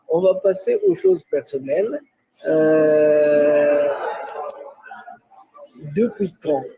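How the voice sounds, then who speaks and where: A male interviewer asks his questions slowly, prompting his guest along. His voice is high yet soft and warm in tone. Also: rough recording.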